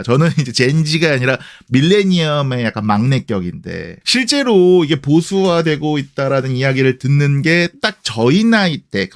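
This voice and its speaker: A man in his late thirties giving casual spoken commentary to his channel's viewers, explaining his views with rhetorical questions. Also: fairly high pitch. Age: 30s. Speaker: history YouTuber.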